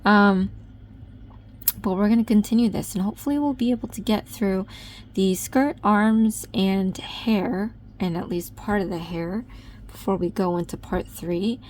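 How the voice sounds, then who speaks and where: A woman's voice: mid-range voice, a little slow, darkish tone, a little hiss or hum. A woman giving a chatty step-by-step crochet tutorial, with frequent ums. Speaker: crochet instructor.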